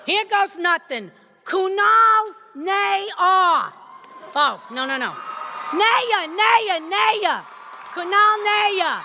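A woman's voice: expressive, noisy background, heavily acted. A woman voicing a fussy old Jewish grandmother who introduces a panel, doting and kvetching with Yiddish words. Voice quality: gravelly, high and sharp. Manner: kvetching, Yiddish-peppered, slow and drawn out. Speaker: panel announcer.

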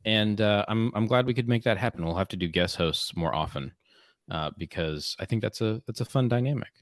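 A man co-hosting a casual podcast, talking in a halting way with many fillers and restarts. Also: lowish voice, no room sound, clean studio sound. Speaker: podcast co-host. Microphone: podcast microphone.

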